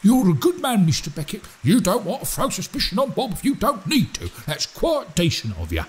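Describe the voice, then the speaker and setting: An actor playing a chatty, cagey British servant in an audio drama, speaking in a halting, colloquial, animated way. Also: male voice, sits high, breathy edge, exaggerated voice. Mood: fawning. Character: chatty, cagey servant man, obsequious yet scheming. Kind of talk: audio drama monologue and dialogue.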